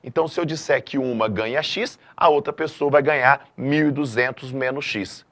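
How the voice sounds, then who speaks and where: Middle-aged male math teacher, mid-pitched, lively and emphatic lesson delivery. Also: normal speed. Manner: lively, emphatic classroom delivery with frequent checks like "tá?". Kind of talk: video lesson.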